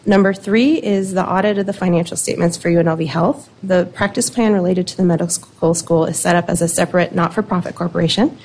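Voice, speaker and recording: A woman with a slightly squeaky voice, an internal auditor giving measured, explanatory prepared remarks at a public meeting. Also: steady tone, darkish tone, slight background noise. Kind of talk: formal committee presentation.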